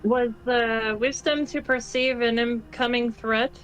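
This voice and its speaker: A woman's voice: on the high side, fairly even intonation, a little slow, a bit bright, low-quality recording. A woman playing a tabletop game, tentative and second-guessing herself about her rolls. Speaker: player. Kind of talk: casual tabletop game play.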